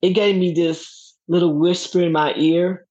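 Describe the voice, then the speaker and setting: A middle-aged woman telling a personal story as a guest, lively and laughing often as she acts out what others said. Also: lowish voice, a little slow, slightly rough. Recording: dull lo-fi recording.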